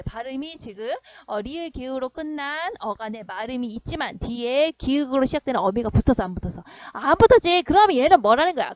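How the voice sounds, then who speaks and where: A middle school Korean teacher gives an online grammar lesson in a high, darkish voice. She walks through it step by step and keeps checking that her students follow, and the recording is dry, dull, and lo-fi.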